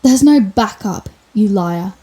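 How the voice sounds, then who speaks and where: Woman as female supervillain for ASMR audio drama: soft-edged mellow tone, mid pitch, sarcastic, menacing, secretly caring. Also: animated, slow. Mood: taunting, menacing. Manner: taunting, theatrical, sarcastic. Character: sardonic female telepathic supervillain, menacing yet secretly compassionate.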